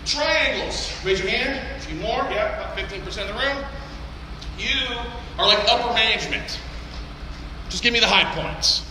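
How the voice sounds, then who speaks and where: A man from Texas giving a live seminar talk, loud and joking, swearing casually. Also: sits high, animated, normal speed. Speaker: seminar speaker. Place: large conference hall. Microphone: handheld or stage mic through PA. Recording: echoey hall, noisy room.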